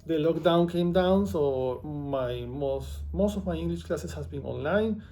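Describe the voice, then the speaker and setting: A man with a Venezuelan Spanish accent talks casually to camera, wandering from topic to topic with a self-deprecating humor. His voice sits a little high for a man, with a gravelly fry and a dark, mellow tone. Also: unhurried. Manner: chatty, digressive, self-deprecating. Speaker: author and vlogger.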